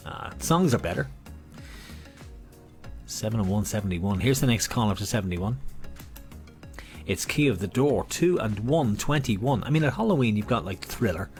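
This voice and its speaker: A man's voice: on the low side, animated, normal speed, pauses often. Irish guy doing bingo calls n banter, sing-song numbers, voice goes up n down, bit of music on. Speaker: bingo caller and host. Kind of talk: bingo calling mixed with casual banter.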